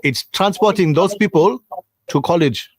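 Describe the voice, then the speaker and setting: A man's voice: high-pitched, normal speed, husky, dry recording. A man hosting a breakfast radio show in the studio, teasing and laughing through joking banter. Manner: playful, teasing, laughs often. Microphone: studio microphone.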